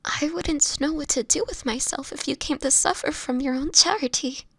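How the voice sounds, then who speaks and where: A woman playing a sickly, gentle, anguished vampire in an intimate audio roleplay, speaking in a breathy, often whispered voice with tender, halting, formal phrasing. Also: sits high, dry recording. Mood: distressed, pleading. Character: sickly homeless young female vampire, gentle, anguished, self-sacrificing.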